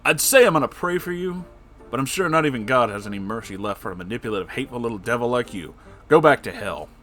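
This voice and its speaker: A fed-up father, acted out by a male story reader speaks with scornful force. His delivery is lively and pointed, in a story read aloud over faint music. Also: mid-range voice, fast, close to an everyday voice. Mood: scornful anger. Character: fed-up, sweet-natured father finally standing up for himself.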